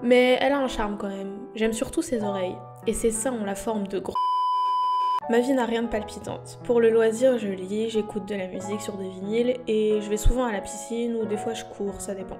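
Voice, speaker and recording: A woman's voice: mid-range voice, steady tone, moderate pace, lightly acted. A woman playing a bland thirtyish man, over music. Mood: matter-of-fact. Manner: matter-of-fact, self-deprecating first-person monologue. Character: ordinary thirtyish male Tokyo intellectual, bland and passive. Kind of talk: scripted narration. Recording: music clearly behind the voice.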